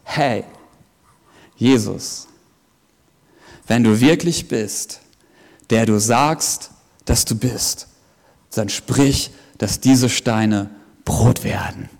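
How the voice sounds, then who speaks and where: A man voicing a sly male devil who taunts in a low, hushed, goading tone, with the long reverb of a big hall. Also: drawn-out words, pauses often. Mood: taunting.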